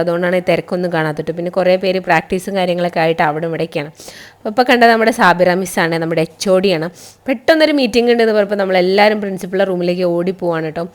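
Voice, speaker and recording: A woman with a Kerala accent narrating a casual, chatty vlog, mixing English words into her Malayalam. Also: medium pitch. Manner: chatty, addresses viewers with frequent tag words. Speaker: college teacher and vlogger.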